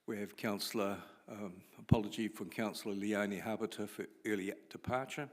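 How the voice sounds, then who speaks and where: NZ male committee chair, lowish voice, procedural and hesitant, reverberant council chamber. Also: fairly even intonation. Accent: New Zealand. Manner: procedural, halting with fillers.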